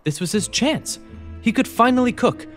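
A man reads a rhyming children's storybook aloud as narrator. His delivery is theatrical and rhythmic, with an animated, wide-ranging pitch. Music plays behind him. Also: moderate pace.

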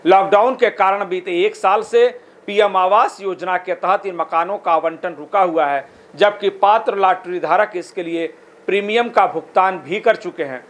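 A male news anchor with a high, light voice reads the headlines in a formal, measured way. He sounds like a man in his forties behind a studio desk. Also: fairly bright tone.

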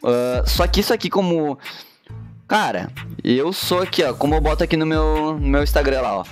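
A man's voice: on the high side, normal speed. Gaúcho guy in his 30s, chill slangy stream chat on a headset, faint music under it. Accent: gaúcho Brazilian Portuguese. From Rio Grande do Sul, Brazil. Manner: slangy and laid-back, constant filler tags. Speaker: graphic designer and streamer. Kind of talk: casual live-stream chat while drawing. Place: home studio room indoors.

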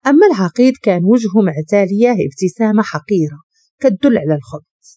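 Moroccan woman narrator for a drama story, warm lively voice, dry close sound. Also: mid-range voice, no room sound. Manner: steady expressive narration.

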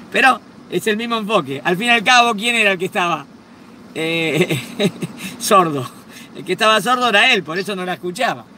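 A man with a Rioplatense accent teaches through a funny parable. His voice is high and very bright, his delivery animated and chatty, and faint outdoor traffic sits in the background. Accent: Rioplatense Spanish. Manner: animated, conversational, acting out each character. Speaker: rabbi. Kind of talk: storytelling sermon.

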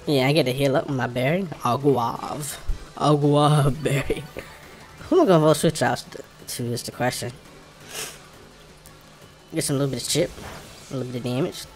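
A man's voice: mid-range voice, fast talker, long pauses. Man with an African American accent thinking aloud. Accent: African American English. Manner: informal, thinking aloud, muttering to himself. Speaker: streamer playing a video game. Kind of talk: casual gameplay commentary. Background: game music.

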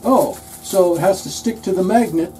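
An older man in his sixties hosts a relaxed cooking demo in a motor home kitchen, cracking jokes between steps. His voice is dark and mellow, caught by a camera mic across the small room with a faint hiss behind it. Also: high voice, moderate pace, poor audio. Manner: joking, chatty, reads out a manual. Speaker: channel host. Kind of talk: casual cooking demo chat.

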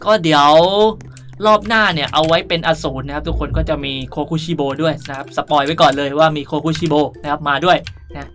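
With music in the background, a man hosts a laid-back game tutorial, addressing viewers often in a polite, chatty way. His voice is on the high side with a steady, sharp tone, and he speaks briskly as the video's creator.

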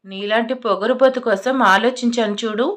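A woman's voice: fairly high pitch, steady tone, normal speed, fairly bright tone, natural voice. A woman voicing an irritated young man who scolds and demands answers, in a storybook reading. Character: angry, blunt young man, quick to anger.

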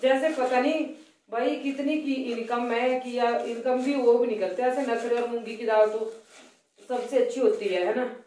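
A middle-aged woman with a Himachali Hindi accent, chatting loudly and complaining a little as she cooks in her home kitchen for her vlog. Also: a little high, steady tone, moderate pace, a little hiss or hum. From Himachal Pradesh, India. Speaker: cooking vlogger. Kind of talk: casual cooking vlog chat. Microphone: phone placed away from her. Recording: roomy phone audio from a distance.

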